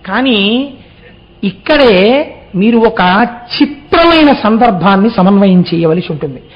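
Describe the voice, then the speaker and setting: Man, high-pitched, devotional sermon, rhetorical questions, muffled low-fi sound. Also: animated, a little slow. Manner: explanatory, asks rhetorical questions. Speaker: religious discourse speaker.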